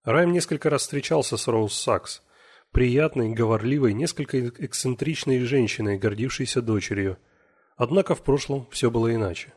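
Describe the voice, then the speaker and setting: A man narrating an audiobook in a measured, even reading. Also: medium pitch, husky. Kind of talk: scripted narration.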